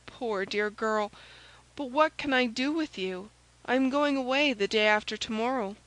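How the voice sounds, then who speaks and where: A woman voicing a gallant young gentleman soldier in a storybook, commanding and reassuring. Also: a little high, moderate pace, lightly acted, rough recording.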